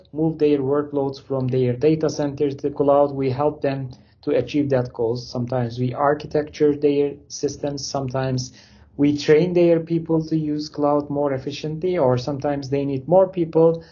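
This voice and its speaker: A man's voice: fairly high pitch, a little slow, mellow, muffled recording. A man from Turkey speaking English, answering interview questions casually with loose phrasing and many fillers. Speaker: interview guest, company founder.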